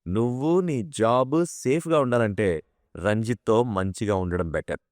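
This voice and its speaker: A man's voice: fairly low pitch, a little slow, darkish tone, no echo, clean studio sound, natural voice. A man voicing a haughty young woman office worker in an audio drama, cold and dismissive.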